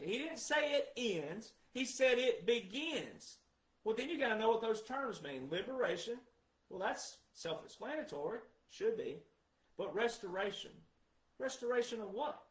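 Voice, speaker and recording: A man's voice: high voice, reverberant, poor audio. A man speaking in an emphatic monologue, asking rhetorical questions and answering them himself and repeating key words for stress. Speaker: commentator. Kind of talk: monologue commentary.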